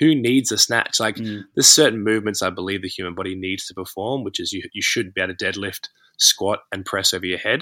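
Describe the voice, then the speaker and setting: A man with an Australian accent speaks at a very fast pace with hardly any pauses. His fairly low voice has a bright, sharp tone and ordinary pitch variation. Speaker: CrossFit athlete. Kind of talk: casual interview chat. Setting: remote call. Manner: halting, many fillers.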